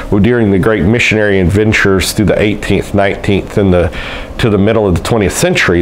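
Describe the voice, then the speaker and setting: A middle-aged pastor, seated at a desk in a small room and talking conversationally to a camera in front of him, reading quotes aloud between frequent uh pauses. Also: male voice, lowish voice, slight background noise, rough recording. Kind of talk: casual teaching video reading quotes aloud. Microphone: fixed camera in front of the desk.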